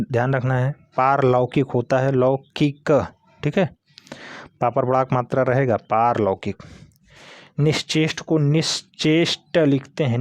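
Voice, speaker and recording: A man's voice: medium pitch, darkish tone, no room sound, clean studio sound. A male teacher giving an exam-prep lesson, repeating each word several times and spelling it out letter by letter.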